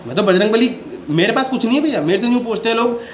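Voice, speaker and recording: A man's voice: high voice, expressive, fast. A man hosting a devotional channel, talking casually and earnestly to his viewers and defensively explaining himself at length, sitting indoors and recording on a handheld phone. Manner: often repeats "ठीक है" to check in with listeners. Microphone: handheld phone without stand. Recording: echoey room with faint background noise.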